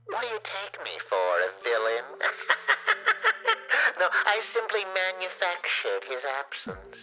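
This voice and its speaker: Give me a man doing a gloating villain in a disguised voice, sharp and tense, with a lively pitch. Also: a little slow, faint music behind, exaggerated voice. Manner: smug, mocking and grandiose. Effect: disguised voice on a phone call. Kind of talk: reading a story game aloud with voices.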